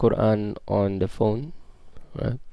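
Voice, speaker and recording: Here a man speaks very slowly with a non-native accent. His tone is dark and mellow. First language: not Arabic. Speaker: religious book reviewer, video creator. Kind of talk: casual product review to camera. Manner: hesitant, many fillers.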